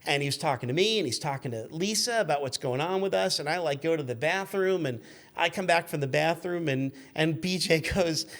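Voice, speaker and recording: A man in his fifties telling casual anecdotes as a guest, in an animated, rambling way, acting out what people said. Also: on the high side, a little fast. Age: 50s. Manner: animated, rambling, acts out remembered quotes.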